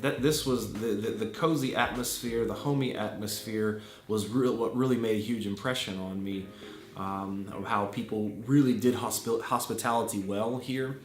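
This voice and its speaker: A man's voice: lowish voice, fairly even intonation, normal speed. A man in his thirties from Virginia with an American accent, an English teacher giving earnest, thoughtful interview answers full of small fillers and restarts. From Virginia, USA. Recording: echoey room with faint music.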